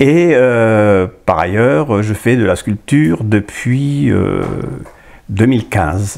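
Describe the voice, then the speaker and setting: At a very slow pace, a man with a fairly low voice speaks with lively intonation and very even loudness against noticeable background noise. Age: 60s. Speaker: sculptor. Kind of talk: interview. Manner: hesitant, many fillers and repetitions.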